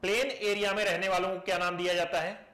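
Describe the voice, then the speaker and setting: High-voiced man lecturing a class. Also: fast talker. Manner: lively, questioning the class. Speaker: teacher. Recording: echoey classroom.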